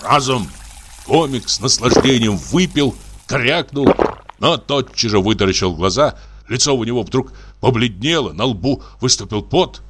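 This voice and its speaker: Man, audiobook narrator, classic short story, lively varied pitch, theatrical reading. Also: unhurried, heavy background noise.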